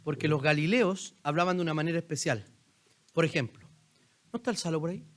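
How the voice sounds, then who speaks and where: Speaking quickly from the pulpit of a church sanctuary, a Chilean pastor preaches with a voice pitched high for a man. He keeps things conversational and fires questions at the congregation.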